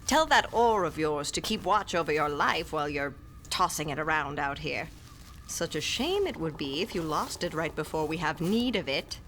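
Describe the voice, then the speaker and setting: An actress narrating and playing a stern, learned woman classicist, with measured, formal, often hushed storytelling. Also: deep voice, sing-song, a little hiss or hum. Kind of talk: audio drama narration.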